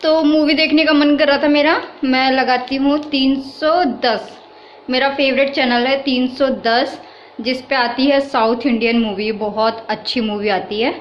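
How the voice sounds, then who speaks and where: A young woman with a high voice chats through her home vlog, talkative and quick to exclaim and laugh. Her voice sits in a roomy space and the recording sounds a little dull, with faint background noise. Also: fairly even intonation. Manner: chatty, laughs often, exclaims at things. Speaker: vlogger. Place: at home, indoors.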